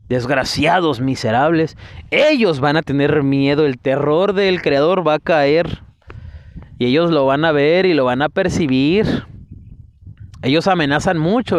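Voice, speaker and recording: Man, preacher, fiery scolding sermon, rhetorical questions, fairly high voice. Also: slight background noise. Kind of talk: denunciatory sermon.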